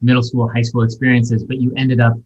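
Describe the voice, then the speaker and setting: A man's voice: medium pitch, completely flat delivery, a little fast, a little mellow, slightly rough, muffled recording. A man hosting a podcast interview, introducing a guest and asking questions in an enthusiastic, chatty way with fillers. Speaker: podcast host.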